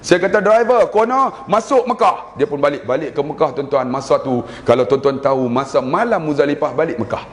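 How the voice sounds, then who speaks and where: Animated Malaysian preacher in a hall. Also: male voice, medium pitch. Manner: animated, humorous, acts out prayers in a drawn-out chant. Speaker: religious preacher. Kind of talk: sermon storytelling. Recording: long hall reverb.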